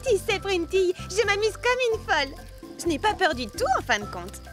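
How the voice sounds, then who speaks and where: A woman's voice: very high voice, sing-song, normal speed, fairly bright tone, heavily acted. A woman voicing a nervous, chatty little girl in a French cartoon dub, stammering when scared. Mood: cheerful. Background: music.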